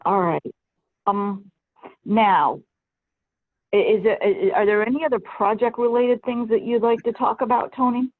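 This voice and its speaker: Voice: mid-range voice, fairly even intonation, a little slow, pauses often. A committee chair leading a meeting discussion, speaking hesitantly, repeating "okay" and asking questions. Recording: tinny phone-like line.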